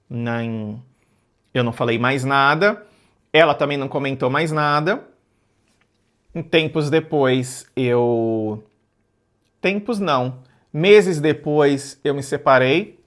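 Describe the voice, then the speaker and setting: A man telling a personal story. He speaks in a measured, reflective way and often stops to repeat or rephrase his words. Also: on the high side, a bit bright.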